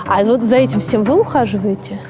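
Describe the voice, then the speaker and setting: A woman's voice: mid-range voice, fairly quick, loud music behind the voice. A woman hosting an interview who asks direct, curious questions in a conversational tone. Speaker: interview host.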